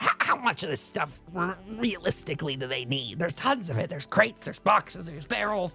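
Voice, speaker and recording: This is a put-on character voice. The delivery moves at a fairly quick pace. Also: man, high pitch for a man. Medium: actual play. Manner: rambling, fast-talking, shifty.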